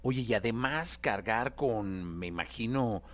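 A man's voice: on the low side, lively intonation, unhurried, a bit bright. A man hosting an interview, affirming and prompting his guest. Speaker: interviewer host. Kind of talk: interview questions.

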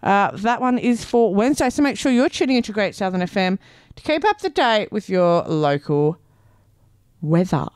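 A woman's voice: medium pitch, lively intonation, moderate pace, a little mellow, smooth, no echo. Aussie lady radio host in her 30s, joking around, voice bouncing all over, dry studio sound. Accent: Australian. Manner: playful, self-mocking, laughs often. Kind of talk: community radio chat and weather read. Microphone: studio microphone.

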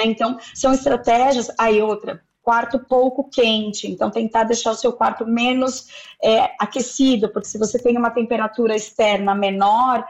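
A woman explaining sleep advice in a didactic way, checking in with the listener. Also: a little high. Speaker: sleep expert. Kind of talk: explanatory talk. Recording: dull lo-fi sound.

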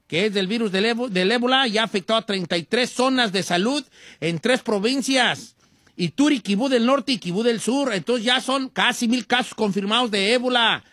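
High-voiced slangy Mexican radio host. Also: male voice, a bit bright, dry recording, clean studio sound. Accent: Mexican Spanish. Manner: folksy, slangy, rambling with repeated words. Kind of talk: joking news chat.

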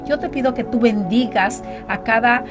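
A woman's voice: a little high, normal speed, over music. A woman hosting a Christian radio talk, chatting with a guest and then leading a fervent prayer. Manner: fervent praying, many fillers. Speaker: radio show host.

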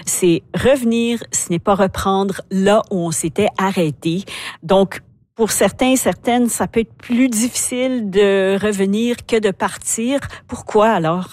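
A woman hosting a radio interview, asking clear and composed questions. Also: medium pitch, unhurried, a little mellow. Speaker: radio host.

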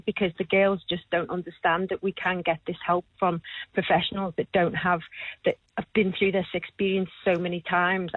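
A woman's voice: mid-range voice, dry recording. A woman with an Irish accent calling in to a radio show, speaking earnestly and from the heart. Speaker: caller. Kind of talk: phone-in call to a radio show. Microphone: telephone. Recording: tinny phone line.

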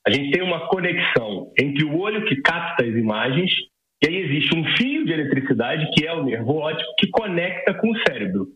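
A man's voice: fairly high pitch, roomy sound, muffled recording. A Brazilian man in his forties, an ophthalmologist explaining things simply with everyday comparisons. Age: 40s. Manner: explains with everyday analogies, adds "tá?" tags. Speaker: ophthalmologist guest. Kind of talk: explaining to a lay audience in a radio interview.

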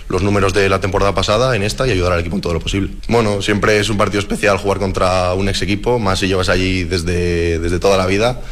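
A young man, a handball player, answering interview questions calmly. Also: low-pitched. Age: young adult.

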